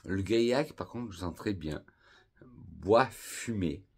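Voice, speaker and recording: Slow, husky low-voiced man reviewing perfume. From France. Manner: calm, unhurried, lists notes one by one. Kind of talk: casual perfume review vlog.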